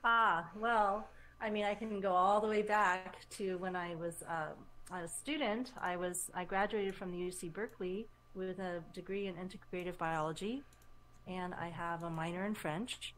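Soft hesitant woman from Taiwan. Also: lowish voice, fairly even intonation, normal speed, rough recording. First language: Mandarin. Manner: hesitant, many ums, soft. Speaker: podcast guest. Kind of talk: casual interview talk.

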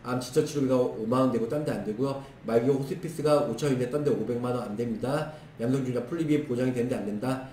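A man in his thirties with a hoarse, strained voice, walking through insurance products in brisk, clipped phrases. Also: mid-range voice, mellow, recorded from a distance. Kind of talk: screen-share product walkthrough. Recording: roomy echo, voice off-mic with faint noise.

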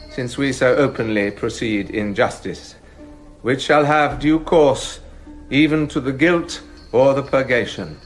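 An older actor playing a jealous, tyrannical king in a radio drama, commanding and stern. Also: medium pitch. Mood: grave. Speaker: King Leontes.

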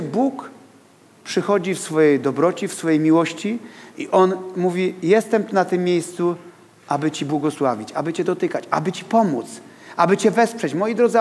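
A man preaching as a guest pastor. He talks in an animated way, repeats words and laughs at his own jokes. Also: high-pitched. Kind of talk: lively sermon to a congregation. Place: church hall. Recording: long hall reverb.

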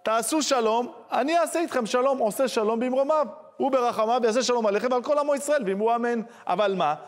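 A man, a rabbi, giving a sermon full of rhetorical questions and lively storytelling. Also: very high voice, in a large hall.

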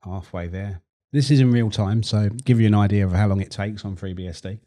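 A middle-aged man hosting a screen-recorded tech tutorial, chatty and relaxed, repeating words as he works. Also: lowish voice, normal speed.

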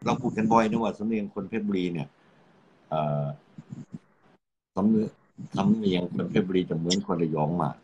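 A man's voice: low-pitched, normal speed, pauses often, darkish tone, slightly rough, lo-fi sound. A man with a Rayong accent hosting a radio chat, musing aloud and reading out listener comments. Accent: Rayong Thai. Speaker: host.

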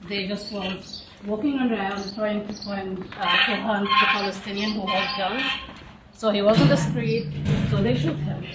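English-speaking woman guiding a street tour. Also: mid-range voice. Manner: halting, plain non-native English with many "like" fillers. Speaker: local guide. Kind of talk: casual walking tour explanation. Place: outdoors in narrow camp alleys. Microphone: camera mic from a few steps away. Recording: outdoor camera audio, distant and echoey, loud street noise.

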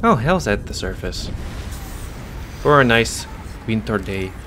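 A man's voice: lowish voice, big pitch swings, takes it slowly, sharp tone, a little hiss or hum. An American man giving casual, rambling let's play commentary with wry asides. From United States. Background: video game music.

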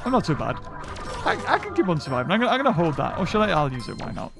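Excitable high-voiced gaming commentator man. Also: very fast, gravelly, music in the background. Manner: excitable, rambling, thinks aloud. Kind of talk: let's play commentary. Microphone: desk microphone.

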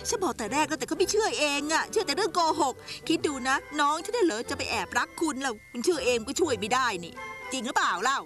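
A woman's voice: sits high, very animated, fast, over music. A woman dubbing a Thai TV drama, playing a self-assured female ghost who insists she meant no harm. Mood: defensive. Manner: defensive, insistent.

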